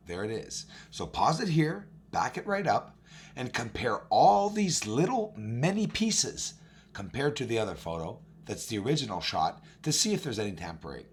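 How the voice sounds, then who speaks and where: A man with a hoarse, raspy, recovering voice hosts an informal walkthrough of images, talking emphatically and directly to his viewers. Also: medium pitch, slight background noise. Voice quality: raspy, husky. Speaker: video host, amateur telescope observer.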